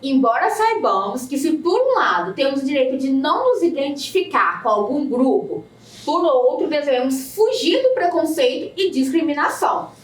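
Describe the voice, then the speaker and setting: A woman teaching a recorded video lesson, explaining words slowly and spelling out syllables. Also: high voice, big pitch swings. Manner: slow, deliberate syllable-by-syllable explanation. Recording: echoey room, a bit distant from the mic.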